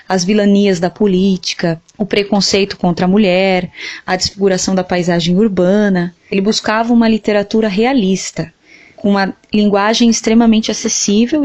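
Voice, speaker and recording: A woman's voice: mid-range voice, a little mellow. Dull lo-fi recording, Brazilian woman lecturing. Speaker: literature teacher, interview guest. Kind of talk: prepared explanatory lecture. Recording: dull, lo-fi band-limited sound.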